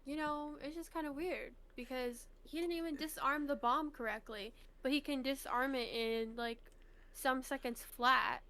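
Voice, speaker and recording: High-voiced woman chatting over a game. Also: fairly even intonation, a little slow, bright, forceful tone. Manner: informal, conversational, full of "like" and "you know". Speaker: let's play co-host. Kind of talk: casual game commentary.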